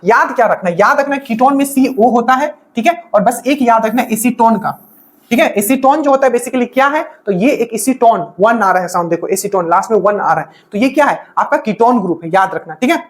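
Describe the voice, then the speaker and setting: Rhetorical-questioning woman teacher, slightly high voice. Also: expressive, a little fast. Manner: explains step by step, often checking in with "okay" and asking rhetorical questions; repeats key points for memorising. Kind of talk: exam-prep classroom lecture.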